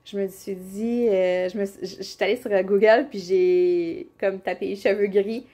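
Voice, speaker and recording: A woman's voice: mid-range voice, steady tone, measured pace, mellow. A young woman with a Québécois French accent, chatting casually as a colouring vlogger, rambling with fillers and restarts. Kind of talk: casual chat showing colouring books.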